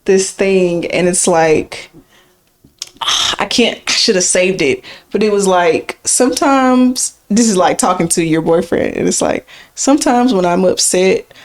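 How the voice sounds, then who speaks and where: A woman co-hosting a podcast, talking in a casual, rambling, conversational way with lively emphasis. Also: lowish voice, a little slow. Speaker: podcast co-host.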